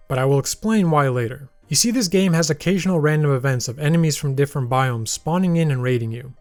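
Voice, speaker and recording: A man's voice: a little high, a little mellow, dry recording. A young man narrating his gameplay in a voice-over, with dry, self-deprecating humor. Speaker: gaming YouTuber narrating his playthrough.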